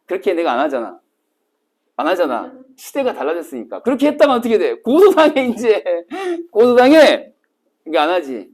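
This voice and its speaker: A man teaching a cram school Korean class, telling stories vividly and acting out scenes with sudden shouts. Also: fairly high pitch, big pitch swings, fast. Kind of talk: classroom lecture to exam retakers.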